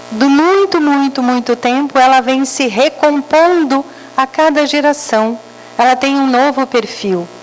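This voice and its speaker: A woman's high-pitched voice at a fairly slow pace, very even in loudness, over noticeable background noise. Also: ordinary pitch variation. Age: 60s. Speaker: spiritist speaker. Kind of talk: religious lecture.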